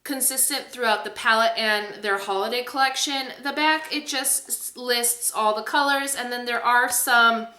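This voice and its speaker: A woman's voice: fairly high pitch, normal speed, few pauses, pushed and bright, reverberant. A woman hosting a casual beauty review, speaking to camera with enthusiastic emphasis. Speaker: beauty video host.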